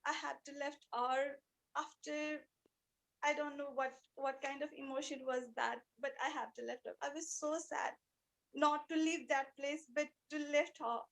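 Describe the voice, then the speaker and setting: High-pitched woman giving an earnest speech. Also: fairly even intonation, creaky, poor audio. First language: not English. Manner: earnest, emotive, deliberate with repeated phrases. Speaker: speech club participant giving a practice speech. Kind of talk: rehearsed personal storytelling speech.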